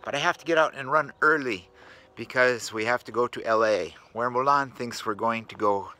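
A man's voice: moderate pace, sharp tone. An older man chatting casually to a phone at arm's length as he vlogs. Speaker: vlogger and father. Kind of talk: casual vlog chat. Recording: noisy handheld recording, background rumble.

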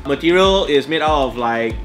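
A man's voice: fairly high pitch, lively intonation, moderate pace, music in the background. A young man with a Malaysian English accent hosting a casual sneaker review, rambling and correcting himself as he goes. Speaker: sneaker show host. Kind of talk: casual product review chat. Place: indoor office studio with shelves.

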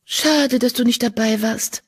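A woman's voice: on the high side, measured pace, husky, voice pushed up. A woman voicing an eager young female apprentice cat in an audiobook. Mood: eager, worried. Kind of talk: audiobook character voice.

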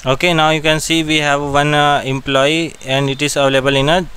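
A man with an Indian accent guides a learner through software one step at a time. His voice is smooth and clear, and he gives short, repeated instructions as he goes. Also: on the high side, flat delivery, fairly quick. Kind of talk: step-by-step screen-recording tutorial narration.

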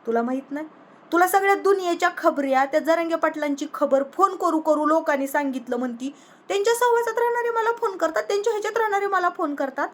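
A woman's voice: very high voice, lively intonation, fast. A woman vlogger in a political rant, angrily scolding a rival with rhetorical questions. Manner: angry, scolding, confrontational.

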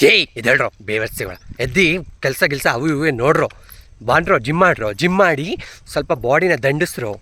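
A trans woman vlogger talks casually while walking outdoors on a hill, teasing and bossing her viewers loudly. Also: deep voice, quick pace. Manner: loud, teasing and bossy, scolding the viewers playfully. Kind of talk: casual vlog. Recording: roomy echo.

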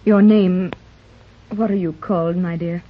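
An actress playing a wealthy mother searching for her lost daughter in a 1930s radio drama, with a breathy, tremulous voice. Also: lowish voice, fairly even intonation, unhurried, slight background noise, close to an everyday voice. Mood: anxious. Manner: emotional, tremulous. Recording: dull old 1930s radio recording.

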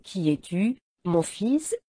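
Picture a solemn elderly patriarch, blind and grave, giving a slow blessing in a mellow tone, as a woman reads him aloud. The delivery is measured and unhurried, with a dry close sound. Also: medium pitch, big pitch swings, slightly rough, no room sound, full character voice.

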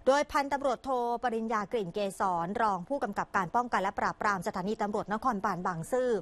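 Fast-talking woman news reporter. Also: medium pitch. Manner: brisk, polite news delivery.

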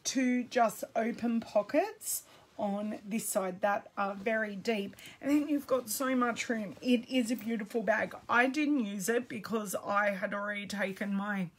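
Slow-talking Australian woman, slightly scratchy. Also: mid-range voice, slightly rough. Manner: chatty, greets viewers by name. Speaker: craft product demonstrator. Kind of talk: casual live-stream chat.

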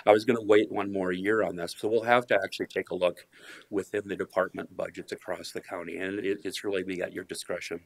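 A middle-aged man presenting a county department budget at a public meeting, polite and measured, speaking into a podium mic. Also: sits low, steady tone. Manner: measured, polite, uses fillers. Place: county commission meeting room.

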